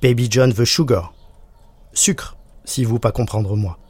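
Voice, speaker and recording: A man's voice: mid-range voice, a little slow, darkish tone, slightly rough, no echo. A man voicing a sulky little boy faking English. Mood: mock English. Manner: fake broken English, sulky and bossy. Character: stubborn little boy ashamed of his name.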